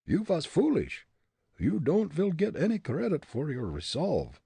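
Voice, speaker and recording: A scheming comic detective with a thick German accent and broken, muttered English, as a male reader puts him on. The voice rides up and down in pitch and sounds husky and dark. Recorded close and dry, storybook style. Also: huge pitch swings, unhurried, dry recording, heavily acted.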